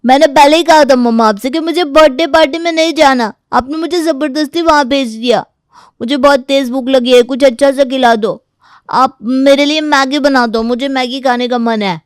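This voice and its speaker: Woman voicing stubborn six-year-old boy, whiny, insistent, high voice, storybook. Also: moderate pace, dry recording, studio quality, lightly acted. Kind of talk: storybook character acting.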